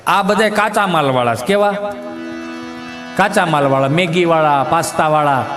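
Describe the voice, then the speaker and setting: A man's voice: a little high, normal speed, long reverb tail. A middle-aged man with a Kathiyawadi Gujarati accent telling mocking, preachy folk comedy stories on stage. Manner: storytelling, mocking, preachy asides. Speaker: stand-up comedian. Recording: live show with music behind.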